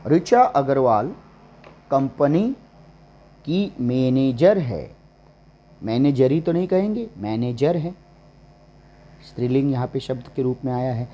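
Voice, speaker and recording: A man teaching a grammar lesson, slowly listing example words one at a time. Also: mid-range voice, mellow. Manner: slow and deliberate, listing examples word by word. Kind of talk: classroom-style grammar lesson.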